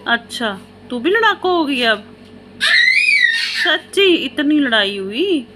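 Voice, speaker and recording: Woman, 30s, casual family vlog, coaxing mother, fairly high voice, noisy phone recording at home. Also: sing-song, slow, raised voice. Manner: chatty, coaxing and soothing toward her children. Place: home indoors at night.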